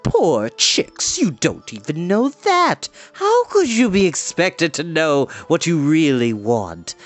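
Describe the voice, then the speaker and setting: Reader doing a giddy little enchantress, all sing-song and cheery, pitch bouncing everywhere, faint music under it. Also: huge pitch swings, slow. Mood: cheerily menacing. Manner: chirpy, indulgent, sing-song. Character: cheerful, scatterbrained, plump female enchantress. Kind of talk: audiobook reading.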